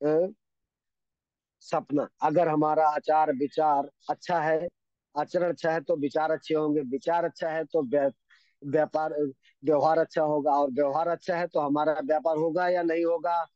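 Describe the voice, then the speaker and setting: A man delivers a motivational seminar speech with a fairly high, mellow voice. He hammers the same phrases again and again, tucking in couplets along the way. The sound is dry and a little muffled, like a lo-fi recording. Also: fairly even intonation, no room sound. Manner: emphatic, repeats key phrases again and again; says he talks fast. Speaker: motivational speaker at a direct-selling seminar.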